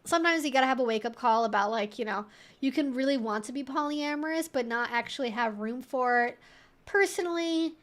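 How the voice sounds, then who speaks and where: A woman's voice: sits high, fairly quick. A woman hosting a casual advice livestream, answering questions in a conversational, rambling way peppered with "like" and "you know".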